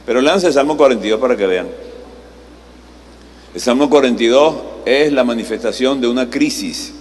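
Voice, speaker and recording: A man's voice: mid-range voice, normal speed, a little mellow. A male pastor delivers a sermon in a chatty, conversational tone, throwing rhetorical questions at his listeners. His mid-range voice rings out in a large hall with a long reverb tail. A faint hiss sits under the live recording.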